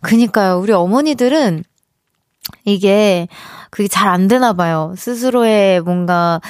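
A woman's voice: mid-range voice, measured pace, darkish tone, clean tone, no echo, clean studio sound. A young adult woman hosting a radio show, reading listener messages in a chatty way and laughing often between stories. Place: radio studio.

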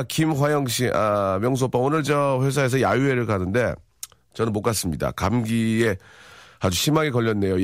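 Playful, lively Korean radio host man. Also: mid-range voice, dry recording, clean studio sound. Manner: playful, jokey, acts out voices and shouts. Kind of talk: casual radio chat reading listener messages.

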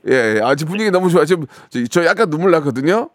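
A man's voice: fairly high pitch, expressive, rapid-fire, slight background noise. A male radio host chatting casually and teasingly with callers. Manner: joking, rambling, teasing.

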